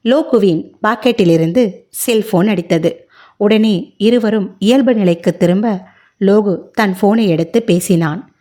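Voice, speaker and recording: A woman reading a family short story aloud as a storyteller, narrating in a slow, even manner. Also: medium pitch.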